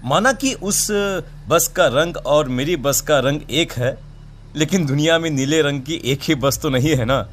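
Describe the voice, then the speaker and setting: A woman voicing a grinning, paan-chewing male bus conductor who talks in a smooth, coaxing, overly polite way, set back from the mic. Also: low-pitched, lively intonation, measured pace, a little hiss or hum.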